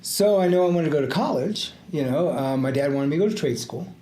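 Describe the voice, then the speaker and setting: An older man, a retired judge who grew up in the Panama Canal Zone with Greek as his first language, talking in a reflective, halting way with many fillers and quick laughs. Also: a little high, expressive, dark tone. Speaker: retired judge, podcast guest. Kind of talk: casual interview chat. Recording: echoey room, faint background noise.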